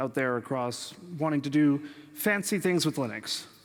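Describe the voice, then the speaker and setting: In an American accent, a man speaks at a moderate pace in an ordinary speaking voice pitched fairly high. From United States. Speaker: open source consultant; conference speaker. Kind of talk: conference talk. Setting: stage with audience. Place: stage.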